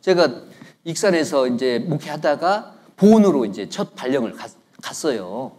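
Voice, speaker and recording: A man's voice: a little high, lively intonation, normal speed, a little mellow. A middle-aged man, preaching a conversational sermon as a guest pastor in a church, joking and telling stories while he keeps prompting the congregation for replies. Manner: joking, storytelling tone. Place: church sanctuary.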